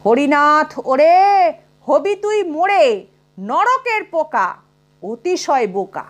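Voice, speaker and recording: A woman voicing a cranky middle-aged male professor who recites spiteful doggerel slowly and grandly, in a Bengali storybook reading. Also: high voice, very animated, exaggerated voice. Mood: mock-grand. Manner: slow, mock-grand recitation.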